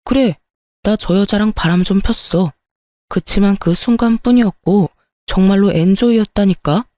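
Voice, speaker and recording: A woman's voice: medium pitch, moderate pace, warm tone, no room sound, lightly acted. Brief: woman voicing an excuse-making, whiny husband, dry close sound. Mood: pleading. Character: cheating husband, defensive and pleading.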